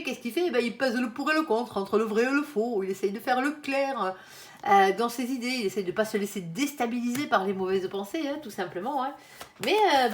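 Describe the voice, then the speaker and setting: A chatty woman lays out tarot cards for her audience, sprinkling her talk with quick asides and playful warnings. Her voice sits fairly high for a woman. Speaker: tarot reader. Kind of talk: casual tarot reading.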